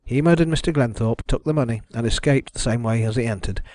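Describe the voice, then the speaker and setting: A methodical detective read by a male narrator lays out deductions with calm assurance. The delivery is measured and precise, mid-pitched, in a dry audiobook recording. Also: no echo, lightly acted. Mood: assured, reasoning.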